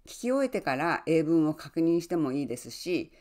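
A woman who works as an online English coach, giving friendly, encouraging advice and often adding soft tag words as she talks. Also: deep voice, very animated, moderate pace. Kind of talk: advice talk to camera.

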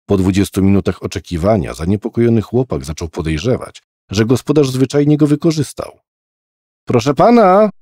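A man narrating a horror audiobook in a measured, dramatic storytelling manner. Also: on the low side, lively intonation, mellow, breathy edge, no echo, studio quality. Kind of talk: scripted narration.

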